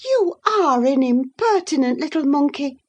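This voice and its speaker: A woman's voice: high voice, big pitch swings, unhurried, darkish tone, pitched above the performer's own voice. A woman voicing a proud, scornful young noblewoman who speaks emphatically in an audiobook reading. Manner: emphatic, cutting, declamatory.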